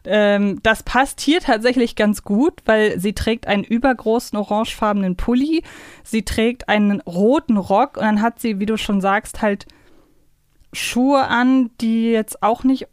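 A woman's voice: a little high, a little slow, no echo, studio quality. A woman co-hosting a podcast in a casual, conversational discussion. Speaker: podcast co-host.

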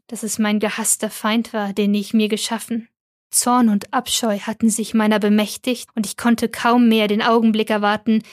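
A woman's voice: a little high, dry recording. Woman reading a classic novel. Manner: measured, expressive storytelling. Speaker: audiobook reader. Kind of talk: literary audiobook narration. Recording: dry close studio sound.

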